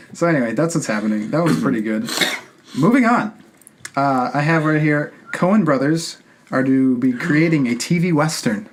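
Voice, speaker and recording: A man's voice: on the high side, animated, moderate pace, slight background noise. A man hosting a podcast, chatting casually and jokingly about entertainment news. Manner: jokey, acts out imagined quotes. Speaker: podcast host. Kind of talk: casual film news chat.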